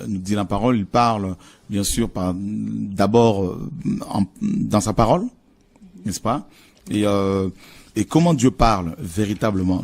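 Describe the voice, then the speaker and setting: A man preaching a sermon as pastor, earnest and halting, with frequent fillers and restarts. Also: lowish voice, darkish tone.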